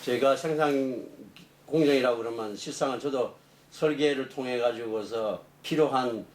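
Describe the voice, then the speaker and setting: Recorded from afar in a reverberant room with a bit of background noise, this middle-aged man speaks in a mid-range voice. He's an engineering professor being interviewed, working through technical explanations haltingly and reworking his phrasing mid-thought.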